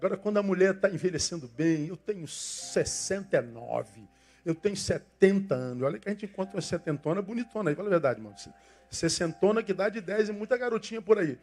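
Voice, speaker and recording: Impassioned high-voiced Brazilian pastor preaching. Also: male voice, expressive, fast, soft background music. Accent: Brazilian Portuguese. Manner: impassioned preaching, swings from loud emphasis to soft asides, acts out church members. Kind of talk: sermon.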